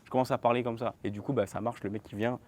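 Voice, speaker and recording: A man in his twenties, telling an animated story straight to his viewers in a casual storytime vlog. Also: medium pitch, very fast, no echo. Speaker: vlogger.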